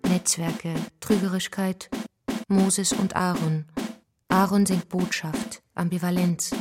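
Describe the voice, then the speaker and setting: A woman giving a measured, scripted reading for a radio feature. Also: on the low side, flat delivery. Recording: music under the voice. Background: music.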